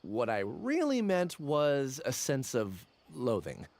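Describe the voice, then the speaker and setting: A man voicing a gentle, apologetic young scholar in an anime-style video game, polite and hesitant. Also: mid-range voice, huge pitch swings, slow pace, noisy background, heavily acted. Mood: reflective.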